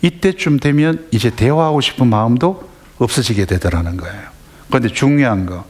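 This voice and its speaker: A man's voice: medium pitch, a little mellow. A man giving a lecture to parents, talking conversationally and asking the audience questions. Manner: conversational, acts out family dialogues, asks audience questions.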